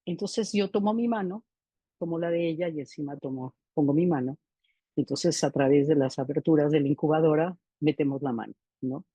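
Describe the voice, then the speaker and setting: Speaking fairly quickly in a low, dark, husky voice with no room sound, a middle-aged woman lectures at a seminar, narrating a clinical case. She sounds reflective and often finishes phrases with "¿no?" as a question.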